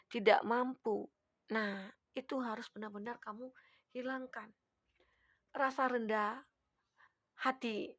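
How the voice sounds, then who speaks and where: Gravelly, higher-voiced woman tarot reader. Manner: gentle, advising, speaks straight to the listener; acts out the listener's own words. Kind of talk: collective tarot reading talk.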